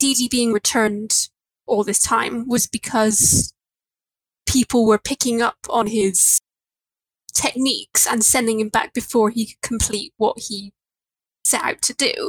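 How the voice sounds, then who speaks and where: This woman has a fairly high pitch and an English accent, speaking at a fairly slow pace with long, frequent pauses. The sound is dry and close, with no echo. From England. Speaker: fiction author. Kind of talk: interview.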